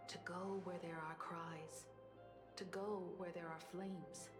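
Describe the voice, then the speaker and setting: An actress playing a resolute, caring grown daughter, a young video game heroine, speaking in a composed, earnest way. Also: female voice, fairly low pitch, level tone, slow. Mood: solemn storytelling. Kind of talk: dramatic game voice acting. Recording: slightly reverberant, music underneath. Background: background music.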